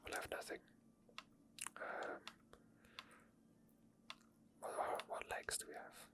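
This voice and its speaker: With a microphone tucked inside a hoodie near the lips, a streamer murmurs rambling, unscripted gameplay thoughts in a hushed, breathy whisper. The ASMR delivery is slow and close-miked.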